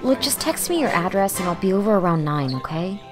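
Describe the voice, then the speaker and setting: A woman's voice: medium pitch, very animated, a little fast, in a large hall, over loud music, lightly acted. A woman playing a weary, sarcastic young student and waitress, narrating her life in a dry, reluctant way in an audio drama. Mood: irritated. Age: young adult. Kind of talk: first-person audio drama narration and dialogue.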